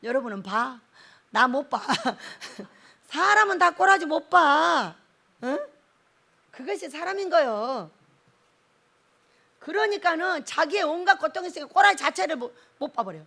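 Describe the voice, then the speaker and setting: A woman's voice: high-pitched, expressive, measured pace, pauses often, sharp tone. A middle-aged woman pastor giving a folksy sermon, laughing often and acting out prayers in quoted voices. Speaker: pastor, prayer house director.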